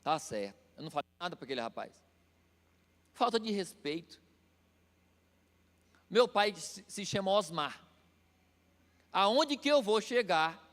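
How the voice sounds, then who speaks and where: A middle-aged man from Brazil preaches with a notably high-pitched voice, pressing his points by slowing down and repeating key phrases. His words ring out with the long reverb of a church hall. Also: big pitch swings, fairly bright tone. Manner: emphatic preaching, slows and repeats for stress. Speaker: pastor. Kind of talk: sermon.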